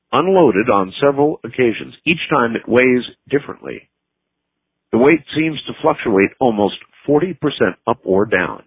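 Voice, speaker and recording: Smooth-voiced male radio host. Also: mid-range voice, dry recording. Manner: smooth radio host delivery, reads listener letters aloud. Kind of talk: late-night radio call-in show. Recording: narrow phone-like radio broadcast, dry.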